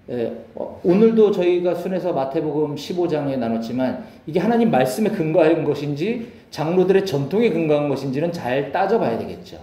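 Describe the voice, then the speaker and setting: Man in his 40s, fairly high pitched, warm mellow voice, chatty bible talk, echoey room w faint hum. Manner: relaxed, chatty storytelling. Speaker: lay Bible teacher. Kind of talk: conversational Bible message.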